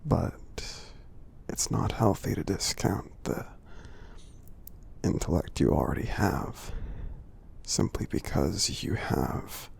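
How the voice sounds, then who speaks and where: A kind, supportive giant played by a man murmurs ASMR affirmations at a very unhurried pace. The voice is low and very husky, half whispered and full of breath. He sounds gentle and reassuring, pausing often between phrases. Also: expressive, full character voice. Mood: soothing, supportive.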